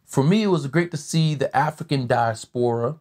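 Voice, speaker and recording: A man hosts a podcast interview in a conversational style, speaking thoughtfully, using many fillers and asking long questions. His voice is mid-range with a darkish tone, at a moderate pace.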